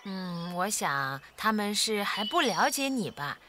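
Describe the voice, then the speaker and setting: A woman voicing a gentle, doting mother duck in a cartoon, soothing and motherly. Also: medium pitch, sing-song, a little slow, background noise. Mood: tender, reassuring.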